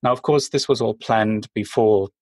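Brief: male podcast host, low voice, chatty, moderating a panel. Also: a little mellow, dry recording. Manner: friendly, filler-heavy, quick asides. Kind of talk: hosting a live podcast panel. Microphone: video call.

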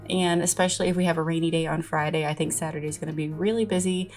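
Chatty woman with a lowish voice. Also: fairly even intonation, fast, darkish tone, faint music behind. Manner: friendly, chatty, with frequent ums. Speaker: antique booth owner. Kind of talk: casual vlog voice-over.

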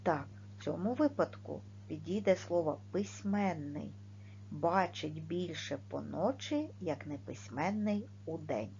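A woman gives a video lesson for children at an unhurried pace, her pitch rising and falling in a lively way. She pronounces every word and sound with care. The recording is dull and lo-fi, with a faint hum underneath. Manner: slow, clearly articulated, stressing words and sounds. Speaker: primary school teacher.

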